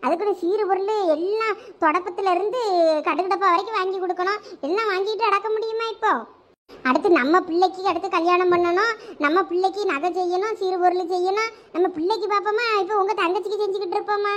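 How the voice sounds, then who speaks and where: A woman's voice: very high voice, fairly even intonation, quick pace, a bit bright. A woman voicing a short-tempered, sarcastic village wife in a cartoon, scolding and complaining in a Thoothukudi Tamil accent. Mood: insistent. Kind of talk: dialect cartoon family comedy dialogue.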